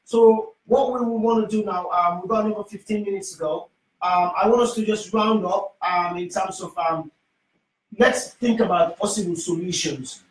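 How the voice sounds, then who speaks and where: Hesitant Sierra Leonean radio host, high voice. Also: male voice, moderate pace, distant mic. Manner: hesitant, many "um" fillers. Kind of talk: call-in radio talk show. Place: small radio studio. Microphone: studio microphone, headphones. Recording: echoey studio from off-mic.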